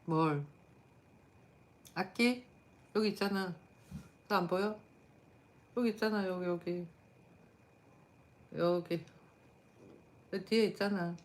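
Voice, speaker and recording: A woman's voice: lowish voice, slow pace, pauses often. A middle-aged woman hosting a live stream, chatting casually and bluntly with viewers while tired. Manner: blunt, chatty, answers chat comments aloud.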